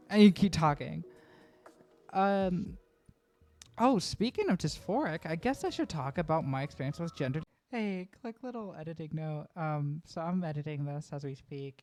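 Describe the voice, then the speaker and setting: A woman's voice: deep voice, a little mellow, no room sound. Chatty rambling trans woman vlogger. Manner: rambling, frequent "right?" and laughs. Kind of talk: casual chatty voice-over. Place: home voice-over recording.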